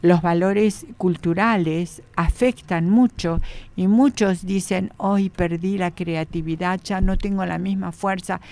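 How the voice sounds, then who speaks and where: Rambling lower-voiced woman guest. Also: fairly even intonation, measured pace, darkish tone. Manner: rambling, many restarts. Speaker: guest psychologist. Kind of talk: radio interview. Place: radio studio.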